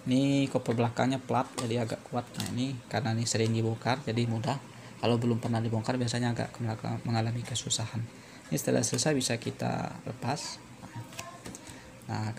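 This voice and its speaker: A man presenting an unscripted step-by-step repair tutorial, halting and repetitive as he explains. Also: mid-range voice, vocal fry, noisy background.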